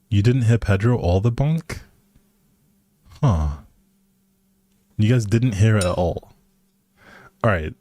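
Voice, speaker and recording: A man's voice: fairly low pitch, mellow, dry recording, studio quality. A man live streaming a game, chatting casually with viewers and thinking aloud in an easygoing, polite way. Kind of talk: casual livestream chat over gameplay.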